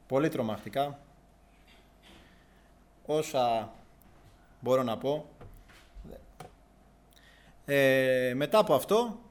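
A young man earnestly recounting a personal religious testimony in a halting, searching way. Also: mid-range voice. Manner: earnest, halting, with restarts and long pauses.

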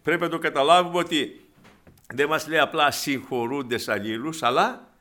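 Guy preaching a sermon, bright punchy voice a bit on the high side, really animated, calls everyone brothers. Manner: animated, acts out quoted voices; addresses congregation as brothers.

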